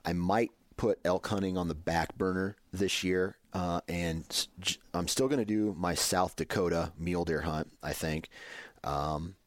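A man in his late thirties with a very low voice, talking in a laid-back, hesitant way and pausing on plenty of ums. The sound is dry and close. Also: steady tone, no echo. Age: 30s. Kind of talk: casual chat.

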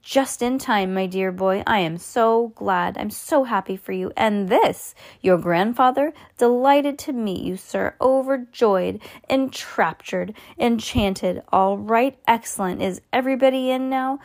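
A woman voicing an exuberant, fussily polite, eccentric little man who owns a chocolate factory, with effusive exclamations, as in a storybook reading. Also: a little mellow. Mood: excited, gushing. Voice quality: high and fluty. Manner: effusive, quick-fire exclamations and pleasantries.

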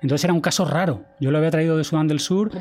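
Man, podcast guest, fairly high mellow voice, lively storyteller who swears casually. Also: rapid-fire. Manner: vivid retelling, acts out quoted dialogue, swears casually.

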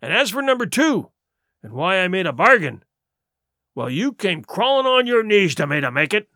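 Cunning old pirate cook, put on by a male narrator. Bright, lively, menacing, rough sailor's talk; dry close recording. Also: high-pitched, moderate pace, no echo, exaggerated voice.

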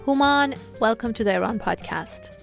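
A woman's voice: fairly high pitch, expressive, normal speed, creaky, soft background music. Woman hosting a podcast interview. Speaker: podcast host. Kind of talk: hosted interview.

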